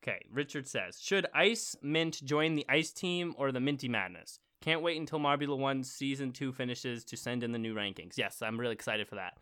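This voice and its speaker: A man's voice: medium pitch, brisk, hardly any pauses, a bit bright, smooth. A young man co-hosting a podcast, reading listener emails aloud and rambling with lots of fillers, getting worked up about marble racing. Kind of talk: casual chat.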